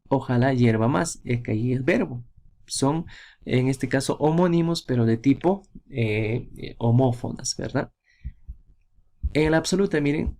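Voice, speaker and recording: A man's voice: mid-range voice, creaky, a little mellow. A man teaching a grammar lesson, explaining with examples and asking checking questions.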